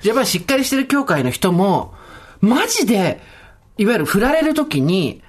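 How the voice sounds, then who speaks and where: A woman from Tokyo hosting a casual podcast chat, quick and jokey, often laughing as she talks. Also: medium pitch, big pitch swings, husky. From Tokyo, Japan. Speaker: podcast host.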